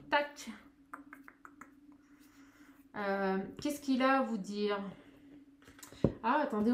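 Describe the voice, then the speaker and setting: Spiritual reader, woman, high small voice, speaks straight to her viewers, faint background noise. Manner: addresses viewers directly, exclamatory, calls on spirit guides. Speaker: spiritual coach doing card readings. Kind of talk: tarot reading to camera.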